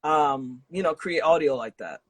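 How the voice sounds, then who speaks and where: A man's voice: on the high side, normal speed, fairly bright tone, no room sound. A man hosting a podcast interview in a casual, slangy, informal way. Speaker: podcast host interviewing a guest. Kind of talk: casual chat.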